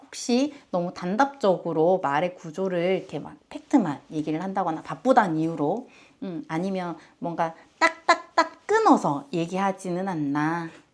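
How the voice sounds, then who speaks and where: A woman speaks in a Daegu accent at a fairly slow pace. Her medium-pitched voice has lively intonation. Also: very clean recording, silent background. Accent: Daegu dialect intonation, still present. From Daegu, Gyeongsang, South Korea. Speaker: counselor and YouTuber. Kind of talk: advice talk to camera. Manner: strong, forceful way of speaking.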